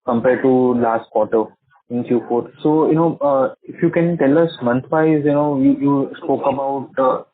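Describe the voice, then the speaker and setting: A man's voice: medium pitch, steady tone, normal speed. A man, a financial analyst putting questions to management on an earnings call over the phone. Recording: muffled narrow phone line.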